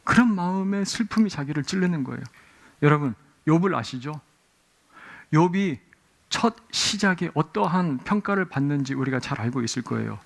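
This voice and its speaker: Man, pastor, sermon in a church, gravelly, somewhat high voice, storytelling. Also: expressive, moderate pace. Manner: storytelling, acting out voices in quotes. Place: church sanctuary.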